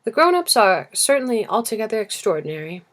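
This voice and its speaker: A woman voicing a serious, curious small boy in a storybook, asking simply and thoughtfully with gentle persistence. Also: mid-range voice, big pitch swings, a little fast, voice pushed up. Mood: thoughtful, earnest. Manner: earnest questioning, simple and thoughtful. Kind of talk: storybook character reading.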